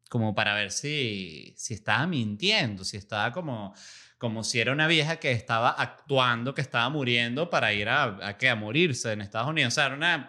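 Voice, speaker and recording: A Venezuelan man, a comedian and podcast host, telling a lively, salty anecdote in casual chat. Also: mid-range voice. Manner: lively anecdote-telling, salty language, acts out quoted voices.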